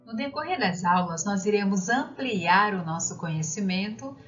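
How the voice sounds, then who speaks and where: A woman teacher giving a recorded lesson, speaking slowly and clearly and putting questions to the listener. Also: mid-range voice, animated, fairly bright tone. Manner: slow, clear, didactic, asks the listener questions. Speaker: primary school teacher. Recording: dull lo-fi sound with faint background music.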